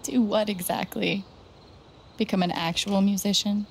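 A woman's voice: medium pitch, fairly even intonation, measured pace, vocal fry, a little hiss or hum. An actress playing an earnest, unsure young woman, a younger sister in a video game drama. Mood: hesitant, touched.

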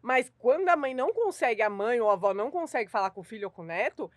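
A young woman with a Brazilian Portuguese accent co-hosts a relaxed chat, her voice high and bright. She tells stories with drama and animation. The sound is dry and close, with no room around it. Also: fast talker, no room sound. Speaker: co-host. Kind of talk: casual chat.

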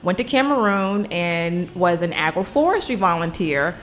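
A woman's voice: fairly low pitch, very animated, normal speed, a little hiss or hum. A woman in her forties from Virginia, a guest telling her story in a casual interview with candid, self-deprecating humor. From Hampton, Virginia. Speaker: guest, homesteader.

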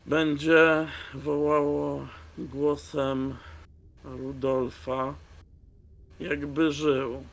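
A man voicing an eerie disembodied voice in a tabletop game, giving orders in a slow, ominous hush. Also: on the high side, level tone, vocal fry, voice pushed down, full character voice. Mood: eerie, commanding.

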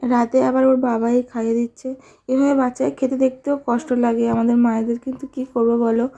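A woman talks quickly through her vlog while carrying her infant outdoors. Her voice is gravelly and rather dark. It stays fairly flat. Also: on the high side. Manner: chatty, explains her day while holding her baby. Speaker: vlogger and new mother. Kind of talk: casual vlog narration. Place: outdoors near a large field.

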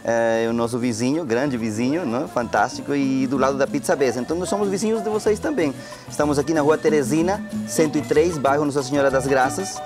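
Middle-aged peruvian guy, spanish accent, polite and halting w lots of "eh", handheld mic in a tv studio. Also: medium pitch, music in the background. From Peru. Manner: polite, hesitant, many "eh" fillers. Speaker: restaurant owner guest. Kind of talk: studio interview. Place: bright TV studio. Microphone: handheld microphone.

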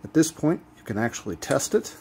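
Man calmly walking through a repair. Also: mid-range voice, a little fast, vocal fry, slightly rough. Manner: relaxed step-by-step explaining while working hands-on. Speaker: DIY channel host. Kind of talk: casual how-to demonstration.

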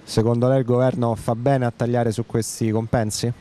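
A man's voice: medium pitch, flat delivery, moderate pace, mellow. A man in his thirties reporting and asking questions as a street interviewer, speaking into a handheld microphone. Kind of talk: scripted news report and vox pop questions. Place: outdoors in a city arcade street. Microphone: handheld microphone close to mouth. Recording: faint street noise.

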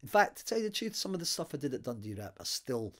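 A man's voice: medium pitch, quick pace. Middle-aged man, light Aberdeen lilt. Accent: light Aberdeen Scottish. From Aberdeen, Scotland. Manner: lively, animated storyteller with gestures and laughs. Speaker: actor. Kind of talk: casual interview answers. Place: home room with bookshelves, indoors.

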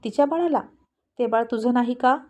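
A woman's voice: fairly high pitch, brisk, darkish tone, lightly acted. A woman voicing a reproachful, protective middle-aged mother in a spoken story, raising her voice in disbelief. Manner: reproachful, raised, incredulous.

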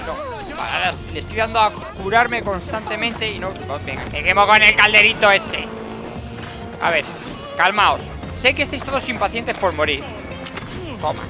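A man with a Spain Spanish accent giving jokey, excitable gameplay commentary and talking to the game characters. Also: sits high. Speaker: gaming channel host. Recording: game music and sounds behind.

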